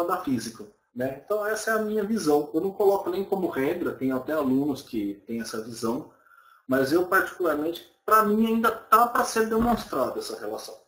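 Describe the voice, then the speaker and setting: A man in his thirties, speaking a little high for a man, gives a relaxed lecture over his webcam. He keeps checking in with his viewers through short tag questions while he shares his own opinions. The webcam audio sounds roomy, as if he is in a small, bare room. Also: normal speed. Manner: conversational, frequent tag questions, hedged personal opinion. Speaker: online lecturer.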